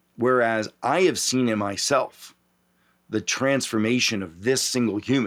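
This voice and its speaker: A man with an ordinary speaking voice talks at a moderate pace on a very clean recording with a silent background. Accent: American. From US, southwestern Pennsylvania. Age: 50s. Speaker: leadership coach and entrepreneur. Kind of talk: casual interview conversation.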